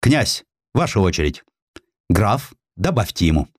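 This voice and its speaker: A man's voice: fairly low pitch, very animated, measured pace, no room sound, studio quality. A man voicing a haughty, menacing young aristocratic student in an audiobook, with mock-polite threats. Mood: haughty menace.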